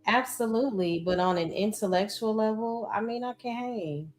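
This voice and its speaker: A playful woman from Texas hosts a casual group chat on a stream, bantering with her guests. Faint music plays low underneath her voice. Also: moderate pace. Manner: playful, reads out viewer comments. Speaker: host reading chat.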